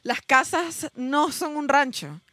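A Venezuelan woman with a Venezuelan Spanish accent, a podcast guest telling stories in casual chat, animated and acting out quoted voices. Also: high-pitched, slow, no room sound.

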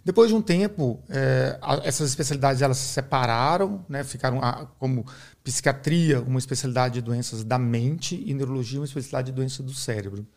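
A middle-aged Brazilian man, a neurologist, explaining his field in a measured, teaching way on a podcast, often tagging his sentences with a questioning aside. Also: medium pitch, darkish tone. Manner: measured, didactic, uses many "né?" tags. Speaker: neurologist guest.

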